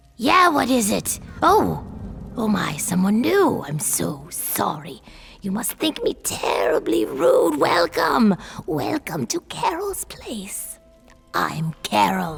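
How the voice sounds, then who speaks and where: Over music in the background, a female-sounding, put-on character voice speaks at a very slow pace. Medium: video game. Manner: warm, gentle.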